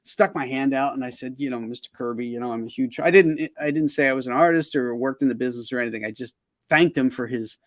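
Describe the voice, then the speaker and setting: A man's voice: mid-range voice, fast, no room sound, studio quality. Chatty man hosting an interview. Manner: chatty, laughs often while telling anecdotes. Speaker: show host. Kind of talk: casual interview chat.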